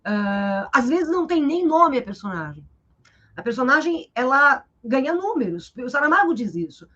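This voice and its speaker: A Brazilian woman teacher with a fairly high voice talks through a book in a live interview, animated and explanatory, often tagging her sentences with a questioning "né?". The sound is dull and lo-fi, like a webcam on a live stream. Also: normal speed. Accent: Brazilian Portuguese. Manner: lively and explanatory, tags sentences with "né?". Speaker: literature teacher.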